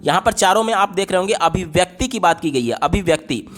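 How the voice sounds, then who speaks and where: Man, high voice, exam tutor, step-by-step explanations, close voice-over. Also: lively intonation, fast, a bit bright. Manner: explains step by step, often repeating "ye galat ho gaya". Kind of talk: exam paper walkthrough.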